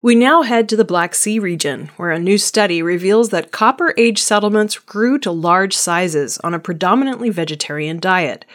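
A woman reading archaeology news headlines and stories in a measured, scripted newsreading style. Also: medium pitch, animated. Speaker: news reader.

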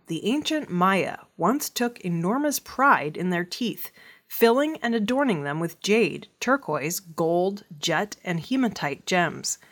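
A woman reading archaeology news stories in a steady, clear newsreader manner. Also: lowish voice. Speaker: news reader.

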